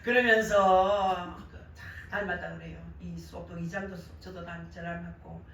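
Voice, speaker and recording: Older female preacher, Gyeongsang Korean accent, hoarse but bright and forceful, heard in a very echoey church hall. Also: on the low side, normal speed, far from the mic. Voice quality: worn, hoarse voice damaged by years of crying out in prayer. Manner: animated storytelling, acting out quoted remarks. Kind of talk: sermon with personal anecdotes. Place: church service, roomy indoor hall.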